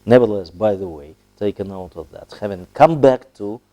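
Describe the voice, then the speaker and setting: A man from Russia with a Russian accent, giving a formal interview in halting, deliberate, diplomatic phrases with long hesitations. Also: on the low side, lively intonation, dark tone. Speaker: ambassador, interview guest.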